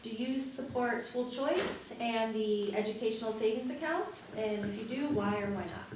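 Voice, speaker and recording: A woman's voice: fairly high pitch, normal speed, darkish tone. Businesslike woman panelist, far and echoey. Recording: echoey room from far off, noisy.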